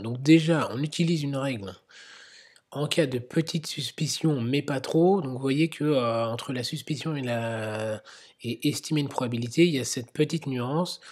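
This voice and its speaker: A man's voice: mid-range voice, a little mellow, breathy edge. A man giving a slide lecture on medical guidelines, explaining step by step with frequent hesitations and occasional whispered asides.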